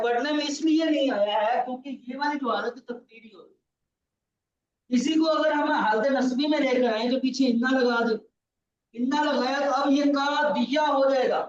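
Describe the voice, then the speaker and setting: A man's voice: very high voice, slight background noise. A male teacher giving a grammar lesson in a patient, repetitive way, checking that his student understands. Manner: patient, repeats key points, checks understanding. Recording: distant, roomy, dull lo-fi sound.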